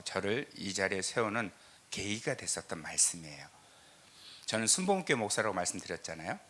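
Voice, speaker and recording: A middle-aged Korean pastor from the south with a slight southern regional lilt, preaching a teaching sermon with scripture readings and rhetorical questions. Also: male voice, fairly low pitch, bright, forceful tone. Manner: emphatic, rhetorical questions, frequent "eo" fillers. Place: church sanctuary.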